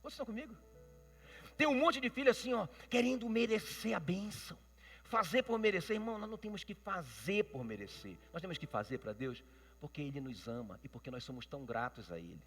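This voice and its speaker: A Brazilian pastor preaches with a bright, forceful voice, pitched a little above most men. He speaks emphatically and keeps calling out to the congregation. His voice rolls through a long church reverb. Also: expressive, brisk, faint music behind. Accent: Brazilian Portuguese. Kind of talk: sermon.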